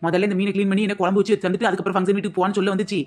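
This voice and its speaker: A woman voicing a clever, theatrical young daughter-in-law in a cartoon comedy, talking fast and scheming. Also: mid-range voice, lightly acted. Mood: sly. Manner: rapid, scheming, mock-tearful when flattering.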